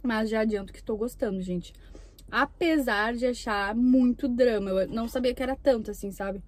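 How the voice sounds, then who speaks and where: A young Brazilian woman with a slightly high voice talks casually at a normal pace between bites while filming a mukbang for her YouTube channel. She sits in a parked car with the camera mounted on the dashboard.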